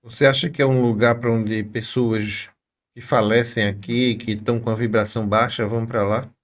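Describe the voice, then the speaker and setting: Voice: mid-range voice, little pitch movement, normal speed. An interviewer asking short questions and giving brief listening sounds.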